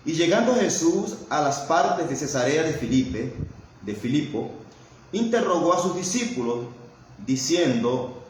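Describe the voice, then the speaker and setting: A man's voice: fairly high pitch, big pitch swings, a little slow. A man preaching a sermon who keeps adding amén and invocations of Jesus, and often stalls and repeats words while he searches for them. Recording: very echoey room with faint background noise.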